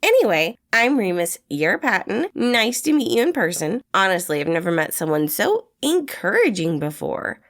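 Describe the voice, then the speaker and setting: A woman voicing a brash, flirty, excitable man in a storybook reading, with casual, slangy, emphatic delivery. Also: medium pitch, moderate pace, few pauses, voice pushed up. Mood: eager, friendly. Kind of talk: acted storybook dialogue in fan fiction reading.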